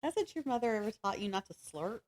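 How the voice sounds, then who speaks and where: A middle-aged woman co-hosting a podcast in casual chat, encouraging and gently teasing. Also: medium pitch, sing-song, brisk. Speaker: podcast co-host.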